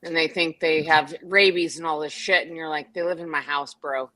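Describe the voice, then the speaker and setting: A woman with a slightly low voice, chatting on a live stream from a barn. She talks frankly and easily, laughing often and swearing casually. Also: steady tone, moderate pace, bright, forceful tone. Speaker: stream guest.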